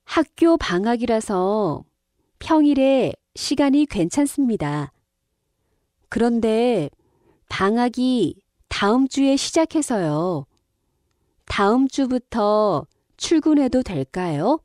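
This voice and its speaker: A woman reading a scripted listening-test dialogue, slowly and with careful enunciation. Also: fairly high pitch, sing-song, darkish tone, no room sound, studio quality. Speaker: dialogue reader on a Korean listening exam.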